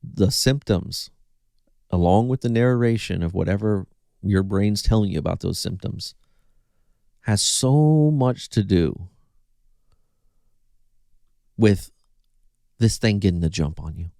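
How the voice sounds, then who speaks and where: A man with a fairly low voice talks viewers through an analogy in the manner of a recovery coach. He tells it like a story, voicing people's reactions along the way. The sound is dry and close, with no room around it. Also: slow, gravelly, long pauses, no echo. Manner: animated storytelling, acting out quoted reactions.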